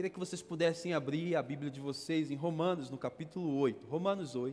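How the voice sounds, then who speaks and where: The man's pitch is fairly high and his intonation fairly even. He speaks at a fairly quick pace. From Rio de Janeiro, Brazil. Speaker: pastor. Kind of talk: sermon.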